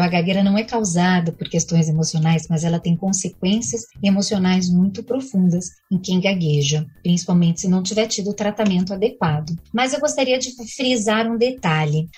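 A woman's voice: mid-range voice, a little mellow, slightly rough. A woman speaking as a guest speech therapist, explaining carefully in a didactic way and sometimes correcting herself. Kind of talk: explanatory panel discussion.

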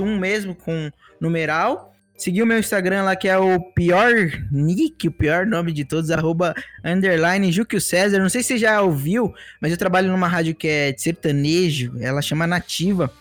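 A Brazilian man with a moderately high voice hosts a podcast in a casual, conversational way. Music plays behind him. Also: moderate pace, few pauses. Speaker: podcast host.

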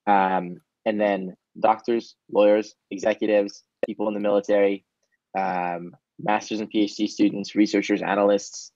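Answering interview questions, a Hebrew-speaking startup founder sounds earnest and relaxed, dropping frequent ums. His low voice stays level with a darkish tone, captured in a dry, slightly dull recording without room sound.

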